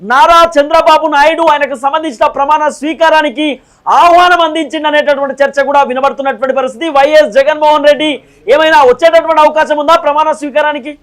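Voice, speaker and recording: A man's voice: very high-pitched, steady tone, fast, fairly bright tone. A man anchoring the news and putting questions to a reporter.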